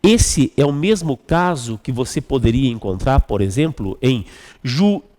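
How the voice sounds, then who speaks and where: A man's voice: mid-range voice, lively intonation, unhurried, dark tone, long reverb tail. A male Brazilian Portuguese teacher going through exam questions step by step, often checking in with the students. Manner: explains step by step, asks "tá bom?". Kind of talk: exam review lesson.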